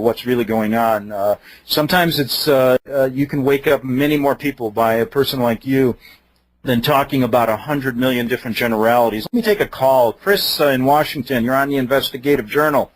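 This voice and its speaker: A man hosts a radio interview, asking questions in a loose, rambling way. His voice is of medium pitch and sounds dry and close. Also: fairly quick, no room sound, low-quality recording. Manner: brief affirmations, rambling questions. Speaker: radio show host.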